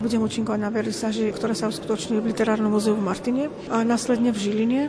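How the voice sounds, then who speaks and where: A woman speaks very fast in a fairly high, monotone, flat voice. Audible room echo and noticeable background noise fill the recording. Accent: Armenian. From Armenia. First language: Armenian (speaking Slovak). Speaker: pianist, singer and composer. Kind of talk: radio interview.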